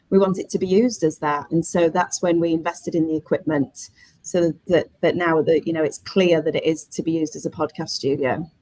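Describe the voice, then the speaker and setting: A woman's voice: on the low side, darkish tone, no echo, rough recording. A woman workspace operator talking casually and reflectively as a webinar panellist.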